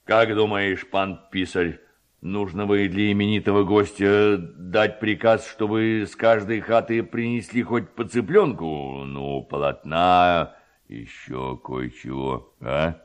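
A man voicing a self-important, boastful village headman in a storybook, with a gruff, commanding, pompous and drawn-out delivery. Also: low-pitched. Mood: smug.

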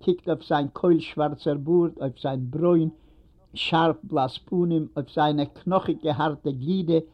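A man narrating a story in a measured, unhurried reading. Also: fairly high pitch. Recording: dull lo-fi recording.

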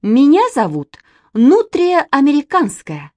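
A woman voicing Katya, a proud, touchy little girl who talks in shrill, offended outbursts. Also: animated, unhurried. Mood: defiant.

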